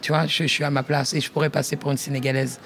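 A woman's voice: extremely low pitch, little pitch movement, fast talker, a little hiss or hum. Woman researcher, reflective workshop talk, hesitant and searching, with frequent restarts and a familiar tone. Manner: thinks aloud with many restarts, addresses the listener informally.

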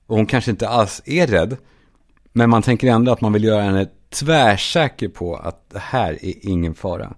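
A man hosting a solo comedy podcast, telling absurd stories in a deadpan way and now and then shouting out quoted lines. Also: fairly low pitch. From Sweden. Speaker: podcast host.

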